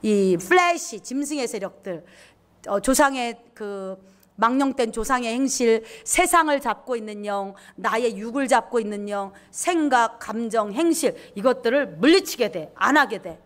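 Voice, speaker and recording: A woman pastor delivers a sermon with a fairly high voice. She is animated, acting out inner thoughts and hammering home her points with repeated words. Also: moderate pace.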